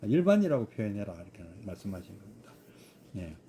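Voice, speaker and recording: Monk guy teaching sutras, lots of uh's, pitch jumps around, slight hiss behind. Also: big pitch swings, brisk. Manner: frequent hesitant fillers, rhetorical questions. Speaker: Buddhist monk lecturing on scripture. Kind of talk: scripture study lecture.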